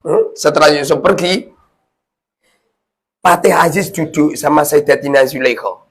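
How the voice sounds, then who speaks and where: A man, a preacher telling a religious story in a lecture to women, animated and jokey, swinging between loud and hushed lines and often checking in with his listeners. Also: a little high, a little slow. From Indonesia. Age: 40s. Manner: addresses the audience often with tag questions. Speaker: Islamic preacher.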